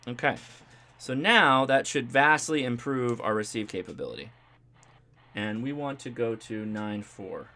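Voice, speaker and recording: A man's voice: mid-range voice, pushed and bright. A man hosting a livestream, giving a casual, chatty hands-on tutorial and checking in as he explains each step. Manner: informal, chatty, explanatory, checks in with "right?" and "okay?". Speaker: host of a ham radio livestream. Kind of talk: casual live demonstration and tutorial.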